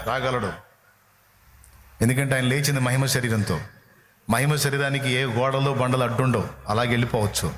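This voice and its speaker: A man's voice: mid-range voice, slight background noise. A male pastor preaching a sermon in a dramatic storytelling manner, acting out dialogue. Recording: roomy echo. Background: faint music.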